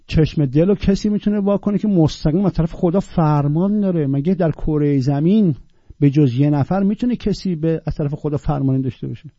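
A man in a heated, sarcastic and crude rant, at times shouting out recited verses. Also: a little high, dry recording, muffled recording. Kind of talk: impassioned casual rant about poetry.

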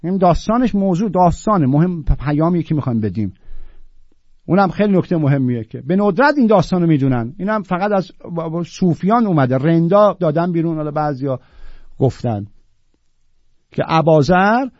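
A man giving an impassioned lecture on Sufi poetry, swinging from loud declaiming to low, blunt, mocking asides. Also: lively intonation, no echo, highs cut off.

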